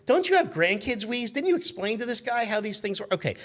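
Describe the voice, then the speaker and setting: A man's voice: extremely high pitch, sing-song, a little fast, fairly bright tone. A man chatting as a guest on a casual radio show, explaining things and telling anecdotes in a wry, dryly joking way, often interrupting himself.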